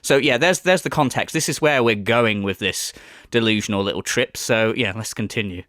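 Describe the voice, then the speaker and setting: A man hosts a commentary vlog, swearing, mocking and sarcastic, with a lot of fillers, his voice slightly off due to a cold. He speaks at a moderate pace in a mid-range, somewhat bright voice. The sound is clean studio audio with no room sound.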